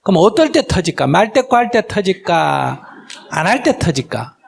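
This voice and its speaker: A man teaches as a Buddhist monk in a live question-and-answer talk. His voice sits high and has a gravelly rasp. He keeps tossing rhetorical questions to the hall and slips into other voices to act out little exchanges. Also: normal speed. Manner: rhetorical questions to the audience, acts out quoted exchanges in lively shifting voices. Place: lecture hall with audience.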